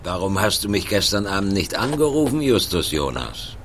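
Audio drama inspector: deep, irritated, commanding, slightly noisy old recording. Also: male voice, sing-song, moderate pace, fairly bright tone, heavily acted. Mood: annoyed, curt. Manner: curt, sarcastic, commanding. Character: gruff, irritated police inspector barking at boys. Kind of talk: German audio drama acting.

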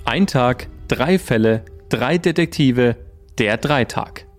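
A man reading a scripted summary as a podcast narrator. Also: mid-range voice. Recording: voice-over with faint music bed.

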